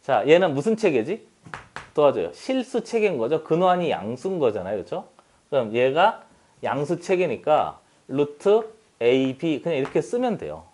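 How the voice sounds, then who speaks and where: A math tutor leads a class with banter, teasing his students and often asking whether they agree. His voice is slightly high with big pitch swings, a darkish tone, and normal speed.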